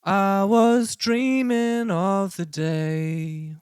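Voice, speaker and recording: A man's slow, drawn-out sung line runs through an auto-tune and formant-shift effect, so his voice sounds pitch-corrected and altered in timbre. The sound is close and dry, with no room around it. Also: fairly even intonation, smooth, no room sound, faint music behind. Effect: auto-tuned singing with shifted pitch and formant. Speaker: tutorial presenter.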